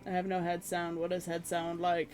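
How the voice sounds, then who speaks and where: Hoarse home streamer, middle pitch, rambling self-mocking chat, faint music behind. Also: completely flat delivery, normal speed, a little mellow. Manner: rambling, self-deprecating, laughs often. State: hoarse, losing voice. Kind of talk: casual chat with viewers. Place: own room at home.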